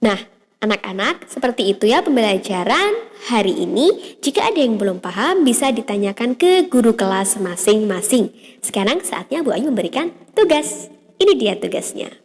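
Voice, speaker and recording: A woman's voice: a little high, sing-song, normal speed. A woman primary school teacher giving a patient lesson to young children, explaining step by step with frequent "ya" and "nah". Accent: Indonesian. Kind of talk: online class lesson for children.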